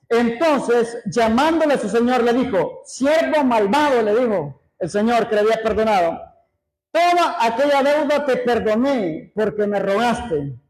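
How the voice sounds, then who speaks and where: High-voiced preacher. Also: male voice, darkish tone, poor audio. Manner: conversational preaching, reads scripture slowly, asides to congregation. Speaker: pastor. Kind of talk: sermon.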